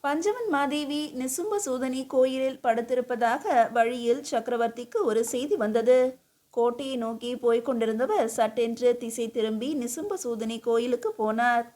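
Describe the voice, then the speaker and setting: A woman narrating a historical novel in a steady storytelling manner. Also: a little high, normal speed. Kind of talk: audiobook narration.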